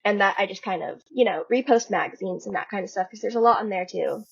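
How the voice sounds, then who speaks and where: A woman speaking as a guest writer, in relaxed conversation or reading her fiction aloud. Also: medium pitch, fast talker, creaky, breathy edge. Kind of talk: story reading and casual interview talk. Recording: dull lo-fi recording.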